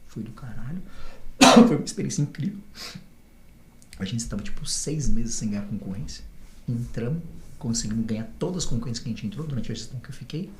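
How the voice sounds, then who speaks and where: A man's voice: mid-range voice, fast. Slangy man telling stories. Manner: slangy, profane, animated. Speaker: podcast guest. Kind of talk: casual storytelling interview. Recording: roomy echo, faint noise.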